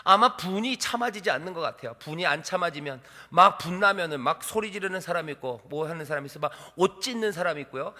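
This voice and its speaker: A male pastor preaching an animated sermon, firing rhetorical questions at the congregation. His voice sits high and rings bright. The sound carries the long reverb of a church hall. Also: fast, few pauses.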